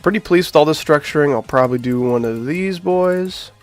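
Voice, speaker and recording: A man's voice: fairly high pitch, a little fast, soft background music. A man with a nasal voice from being sick, chatting casually to his live-stream viewers while he builds a game level. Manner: chatty, talks to chat while working.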